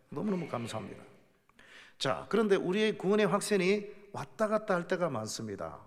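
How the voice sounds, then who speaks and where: Guest preacher, middle-aged man, emphatic delivery, slightly high voice, long church reverb. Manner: emphatic, questions to the congregation. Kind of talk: sermon. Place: church sanctuary.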